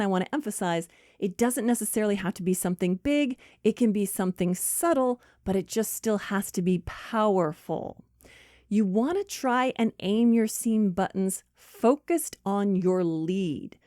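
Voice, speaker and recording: A woman's voice: medium pitch, mellow, dry recording, studio quality. A woman teaching screenwriting, who explains points casually and numbers them as she goes. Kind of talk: instructional talk.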